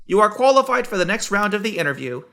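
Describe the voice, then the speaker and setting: A man reading scripted everyday conversations for English learners, in a clear, evenly paced textbook delivery. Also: high-pitched, sing-song, quick pace, pushed and bright. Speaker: dialogue voice for English practice.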